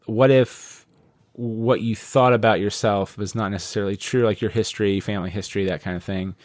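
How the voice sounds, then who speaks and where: A man's voice: on the low side, fairly even intonation, a little fast, a little mellow, no echo. A man hosting a podcast, chatting casually in a rambling way, full of "like" and the odd swear word. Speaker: podcast host.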